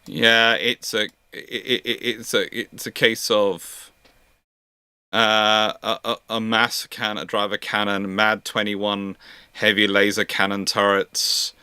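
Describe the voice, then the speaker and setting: A man's voice: fairly low pitch, flat delivery, takes it slowly, sharp tone, clear, resonant tone, dry recording. A man hosting an informal question-and-answer chat, often stammering and repeating words as he gets going. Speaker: host answering viewer questions. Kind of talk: live question-and-answer chat on naval history.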